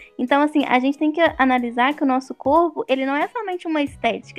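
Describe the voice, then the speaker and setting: A woman speaks at a very fast pace in a high voice with ordinary pitch variation, her sound dry and close with no echo and music playing in the background. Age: 20s. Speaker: nutritionist. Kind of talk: podcast interview.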